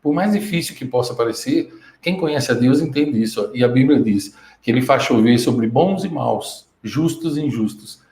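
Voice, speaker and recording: A man voicing a gentle, fatherly God who speaks calmly to a grieving man. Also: medium pitch, normal speed, few pauses, natural voice. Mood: reassuring. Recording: roomy echo.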